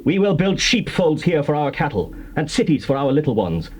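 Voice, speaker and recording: A man's voice: on the high side, sing-song, moderate pace, darkish tone. An actor playing a resolute tribal spokesman in a dramatized Bible, declaiming formally. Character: resolute tribal spokesman pledging to march to war. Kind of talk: dramatized King James Bible reading. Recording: noisy old cassette tape.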